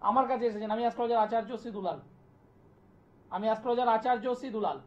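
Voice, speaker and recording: A man, an astrologer hosting a live TV call-in show, delivering an insistent, repetitive pitch and taking callers' details. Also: very fast, darkish tone. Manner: insistent, repetitive sales pitch, listing place names. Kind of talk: live TV promotional talk and phone call-in. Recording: dull lo-fi broadcast sound.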